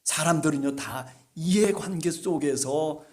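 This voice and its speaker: A male pastor delivering an impassioned sermon at a church service, urging his listeners and rising at times to shouts. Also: fairly high pitch, a little slow.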